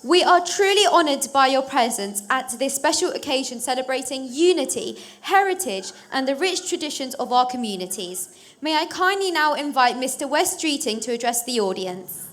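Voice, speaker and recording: High-voiced woman giving a formal welcome. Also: lively intonation, normal speed. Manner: formal and ceremonial. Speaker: event host introducing the speaker.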